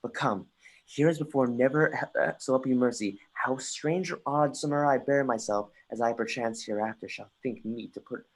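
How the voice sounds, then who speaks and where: An intense young prince played by a man speaks Shakespearean verse in a medium, husky register. He is wry and erratic, impassioned but halting in his delivery. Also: medium pitch, natural voice, rough recording. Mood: wry, solemn. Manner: impassioned, halting reading with stumbles. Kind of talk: Shakespearean verse in a livestreamed dramatic reading. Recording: remote livestream audio.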